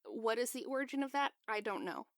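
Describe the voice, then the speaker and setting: A woman co-hosting a podcast explains a topic in a chatty, casual way and laughs often. Her voice is a little high and sing-song, her pace a little fast, and the studio sound is clean with no room noise.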